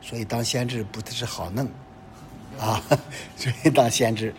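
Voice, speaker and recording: A man who is a Catholic priest, preaching a sermon in an animated way, asking his listeners many rhetorical questions. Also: a little slow. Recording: long reverb with faint low rumble.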